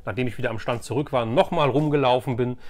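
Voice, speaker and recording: A man's voice: medium pitch, quick pace. A middle-aged man hosting a casual, chatty toy-collecting vlog in a rambling, enthusiastic way. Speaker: host of a vintage toy collecting channel. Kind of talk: casual chatty flea market haul vlog. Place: room at home.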